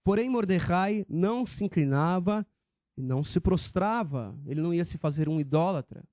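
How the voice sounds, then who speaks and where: A male preacher with a fairly high, warm and mellow voice delivers an emphatic sermon. He speaks rhetorically and calls out to his brethren, and the recording is dry and close. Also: lively intonation, normal speed, dry recording.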